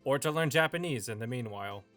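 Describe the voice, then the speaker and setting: A man's voice: medium pitch, animated, fast, a bit bright, no echo, faint music behind. A man hosting a video essay, delivering scripted opinion narration.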